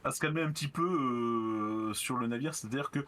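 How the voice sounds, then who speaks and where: A man's voice: mid-range voice, moderate pace, a bit bright. A man, narrating a tabletop role-playing game as game master, improvising and addressing players hesitantly.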